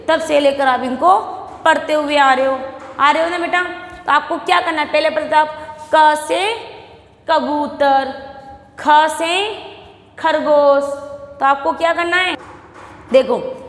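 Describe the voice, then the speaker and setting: A woman teaching Hindi letters to young children, with a Rajasthani Hindi accent and slow, drawn-out recitation, asking the children questions as she goes. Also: sits high. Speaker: primary school teacher. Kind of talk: recorded classroom lesson for young children. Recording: echoey room with long reverb.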